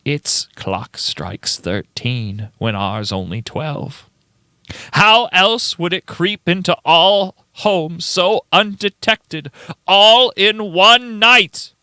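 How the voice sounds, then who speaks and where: A man playing a frantic, paranoid old grandfather reading his diary aloud in a theatrical, halting horror radio-play style. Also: high-pitched, sharp tone, clear, resonant tone, dry recording, heavily acted. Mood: desperate, frantic. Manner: theatrical, halting, emphatic delivery.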